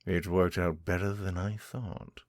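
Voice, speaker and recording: A man voicing a cruel male vampire master who taunts his captive in slow, menacing speech that sinks into whispers. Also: low voice, fairly even intonation, darkish tone, no echo, studio quality. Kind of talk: audio drama acting.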